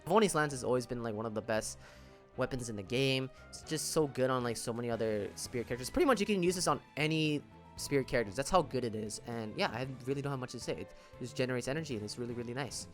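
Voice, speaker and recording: A man with an average-pitched voice talks through game details as a video creator. His delivery is casual and conversational, explaining things in an informal way. Music plays behind his voice. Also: quick pace. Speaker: gaming video creator reviewing game banners. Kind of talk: casual gaming commentary.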